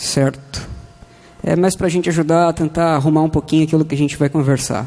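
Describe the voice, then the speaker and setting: Noticeable background noise sits behind a man with a fairly high pitch. He talks at a fairly quick pace with very even loudness. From interior of São Paulo state, Brazil (Tatuí). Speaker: financial consultant and lecturer. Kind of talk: talk to a live audience. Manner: hesitant, many fillers.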